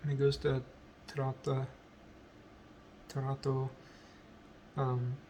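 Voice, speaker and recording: A man whose first language is English, speaking in a halting vlog as a learner, full of pauses, ums and self-corrections. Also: mid-range voice, completely flat delivery, dark tone, slight background noise. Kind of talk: halting unscripted speech practice.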